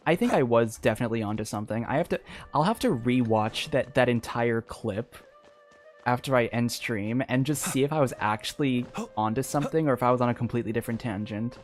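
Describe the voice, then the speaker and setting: Man, game streamer, casual commentary, rambling, excitable, medium pitch, faint background music. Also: fairly quick.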